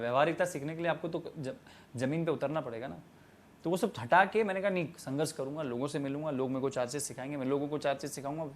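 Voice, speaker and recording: A tea stall entrepreneur in his twenties, his voice a little high, appears as an interview guest. His answers about launching the business come out emphatic and preachy, sprinkled with English phrases.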